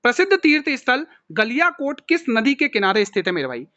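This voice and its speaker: Brisk man, bright voice. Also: very high-pitched, big pitch swings, no room sound, dull audio. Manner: brisk, calls viewers "mere bhai", keeps saying "theek hai". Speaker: exam coaching teacher. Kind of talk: solving a model exam paper for students.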